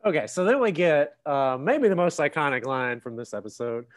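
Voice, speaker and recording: A man's voice: a little high, animated, normal speed. A man co-hosting a casual podcast chat, laughing often as he tells the story. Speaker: podcast co-host.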